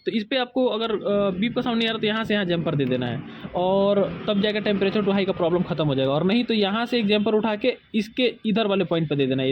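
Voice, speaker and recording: A man from India with a high voice talks through a hands-on phone repair, step by step. He keeps telling the viewer to look closely at each point. Faint room noise sits under the recording. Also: lo-fi sound. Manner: explains step by step, often says "look here carefully". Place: repair workbench with a microscope.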